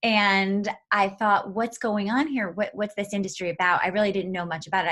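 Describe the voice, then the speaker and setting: A woman with an American accent, medium pitch and ordinary pitch variation, a bright, sharp tone and a fairly quick pace, on a very clean recording with a silent background. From United States. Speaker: business founder and author. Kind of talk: interview.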